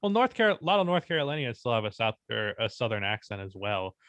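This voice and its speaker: A young man co-hosting a casual podcast, speaking in an even, unexpressive tone and swearing casually. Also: medium pitch, fast, no echo. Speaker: podcast co-host and YouTuber.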